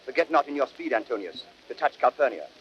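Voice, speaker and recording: A man's voice: mid-range voice, sing-song, quick pace, lightly acted. A man playing an imperious, superstitious Roman ruler in vintage radio Shakespeare, declaiming formally and with command. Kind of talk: 1930s radio Shakespeare acting. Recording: dull, hissy vintage radio recording.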